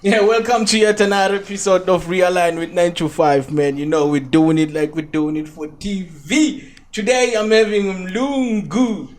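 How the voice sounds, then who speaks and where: A South African man hosting a casual podcast interview, relaxed and chiming in with short encouragements. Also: sits high, moderate pace, hardly any pauses, a little hiss or hum. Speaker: podcast host.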